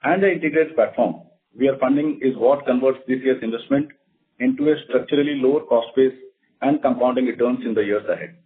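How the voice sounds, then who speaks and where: A man with an Indian accent speaking formally and in a measured way as a company executive on an investor call. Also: medium pitch. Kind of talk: prepared remarks and formal investor answers. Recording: narrow, phone-like conference line.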